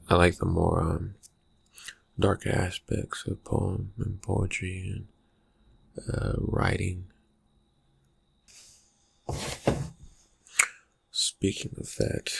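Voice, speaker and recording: A man acts out a reclusive vampire friend for an ASMR roleplay. His low voice is thick with fry and very husky, almost all breath. He speaks slowly and haltingly, dry and suspicious, with quiet menace under the soft murmur. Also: monotone, heavily acted. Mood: soft, musing. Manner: hesitant, halting, laconic, dryly suspicious. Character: reclusive, slyly menacing male vampire friend who prowls at night. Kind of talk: ASMR roleplay, soft-spoken character talk.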